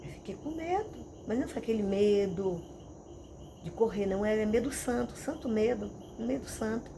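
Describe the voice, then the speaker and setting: In a creaky, medium-pitched voice at a moderate pace, a woman who serves as a pastor and missionary delivers testimony preaching through vivid, repetitive storytelling. She is animated and leans on dramatic repetitions. Insects and crickets chirp behind her, and the background is noisy.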